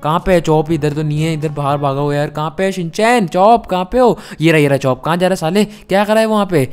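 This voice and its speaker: A man hosting a Hindi gameplay role-play, talking loud and slangy, often scolding. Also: on the high side, fast talker, clean tone. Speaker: gaming channel host.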